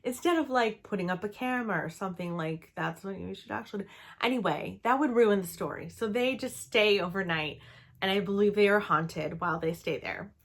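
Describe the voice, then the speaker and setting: A woman's voice: medium pitch, a little fast. A young woman from Canada in a casual book-review vlog, chatty and enthusiastic, with lots of "um" and "like". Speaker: book vlogger.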